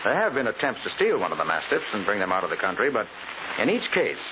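An actor playing a confident private detective in 1940s radio style, explaining things precisely with an American accent. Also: male voice, fairly low pitch, huge pitch swings, quick pace, narrow, tinny audio. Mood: assured, explanatory. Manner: precise, expository, authoritative. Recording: hissy, band-limited 1940s radio recording.

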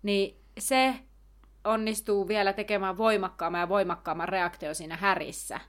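A woman co-hosting a podcast, casually retelling a book chapter in a chatty way full of fillers. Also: mid-range voice. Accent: Finnish. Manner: chatty, many fillers, lively summarizing. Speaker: podcast co-host.

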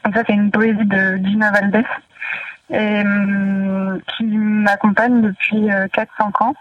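A woman from northern France, a guest in a casual interview, talking hesitantly with many pauses and fillers. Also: mid-range voice, flat delivery, no room sound, recorded from a distance, muffled recording.

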